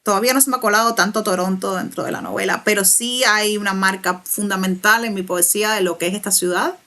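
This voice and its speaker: A young Cuban woman with a Cuban Spanish accent, a writer answering interview questions thoughtfully, pausing and restarting as she searches for words. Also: medium pitch, fairly even intonation, pushed and bright. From Cuba. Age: young adult. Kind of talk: reflective conversational interview.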